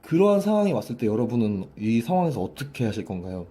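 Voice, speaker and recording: A man's voice: medium pitch, sing-song, fast talker, warm tone. A man teaching a voice lesson, explaining breath pressure with a hose demonstration, often repeating and restarting his phrases. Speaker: vocal coach.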